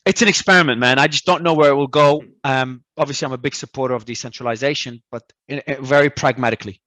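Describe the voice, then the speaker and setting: A man from Australia, a guest talking in an animated, emphatic way and often repeating words as he restarts. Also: mid-range voice, quick pace, no echo. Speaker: crypto entrepreneur guest. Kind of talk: casual interview talk.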